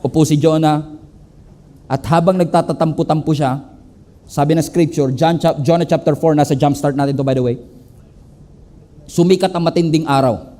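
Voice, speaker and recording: A Filipino man preaching a sermon as a pastor, animated, switching between English and Tagalog and acting out the people in his story. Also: fairly high pitch, moderate pace, pauses often. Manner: acts out the people in the story in quoted voices.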